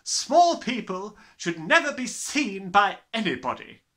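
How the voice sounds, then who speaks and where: A man's voice: high voice, big pitch swings, a little slow, a bit bright, voice pushed up, exaggerated voice. A man voicing a huge, bullying, furious headmistress from a storybook, barking and bellowing with contempt. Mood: scornful, snapping. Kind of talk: storybook character reading.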